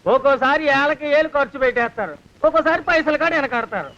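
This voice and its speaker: A man's voice: very high-pitched, lively intonation, quick pace, pushed and bright, full character voice. An actor playing a cheeky male servant who teases his master with mock respect. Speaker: film actor. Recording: dull lo-fi film soundtrack.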